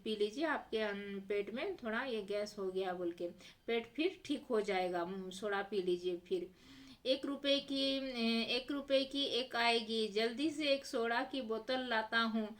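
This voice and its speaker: ऊँची आवाज़ वाली टीचर, कहानी सुनाती. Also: female voice, on the high side, measured pace. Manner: repetitive, mixes English words into explanations. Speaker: teacher. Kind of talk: retelling a textbook story for children.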